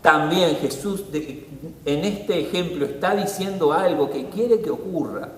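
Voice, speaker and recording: High-voiced preacher in an echoey hall. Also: male voice, unhurried, distant mic, a little hiss or hum. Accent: Rioplatense Spanish. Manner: animated, acts out scenes with voices. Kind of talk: sermon. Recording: echoey hall, long reverb.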